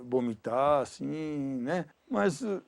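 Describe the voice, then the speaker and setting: An older man from Japan speaking Portuguese with a Japanese accent, talking haltingly with many fillers in a documentary interview. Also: medium pitch, lively intonation, creaky, no echo. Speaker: retired judo champion.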